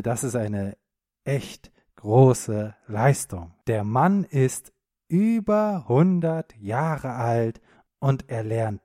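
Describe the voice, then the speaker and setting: A man hosting a podcast lesson for German learners, speaking slowly and clearly in an encouraging tone, often checking in with a quick question. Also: mid-range voice, mellow, no room sound, clean studio sound. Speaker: podcast host and German teacher.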